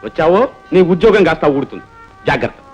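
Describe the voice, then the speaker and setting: An actor playing a dismissive, amused senior police officer who talks curtly with a chuckle. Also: male voice, on the high side, sing-song, fast, husky, dull audio, faint music behind. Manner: curt, chuckling, authoritative.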